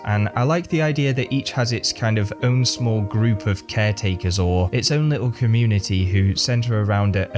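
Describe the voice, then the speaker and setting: A man with a stuffy, bunged-up voice from a cold, narrating his drawings in a rambling, self-deprecating voiceover. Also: on the low side. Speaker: artist and channel host. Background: plucked guitar music.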